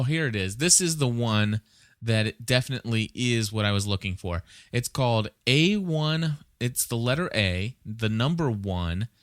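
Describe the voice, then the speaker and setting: A man's voice: medium pitch, a bit bright, clear, resonant tone, dry recording, studio quality. A man hosting a podcast, rambling casually and conversationally as he thinks aloud and gives advice. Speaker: podcast host.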